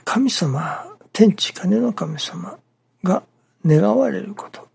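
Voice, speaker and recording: A minister giving a morning sermon in a halting, measured way, breaking phrases with pauses and dropping some words to a near-whisper. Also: mid-range voice, expressive, vocal fry, darkish tone, slightly rough.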